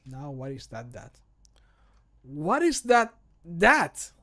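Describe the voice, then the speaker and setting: A man's voice: fairly high pitch, huge pitch swings, takes it slowly, a bit bright, heavily acted. A man voicing a startled, disgusted companion character in video game voice lines. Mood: alarmed disgust. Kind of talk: video game voice-line acting.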